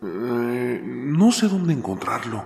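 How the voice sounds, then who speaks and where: Using a put-on character voice at medium pitch, a man speaks very slowly. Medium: read story. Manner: stammering, scared.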